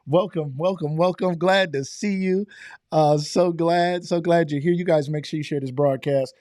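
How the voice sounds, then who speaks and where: A middle-aged man hosting a live online show, slightly hoarse from losing his voice, talking in an upbeat, chatty way and greeting viewers by name. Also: on the high side, dark tone, no echo, clean studio sound. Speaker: host.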